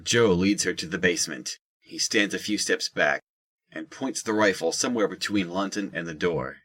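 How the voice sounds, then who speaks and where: A man's voice: low-pitched, normal speed, fairly bright tone, slightly rough, no echo. A man reading scripted third-person narration for an audio drama.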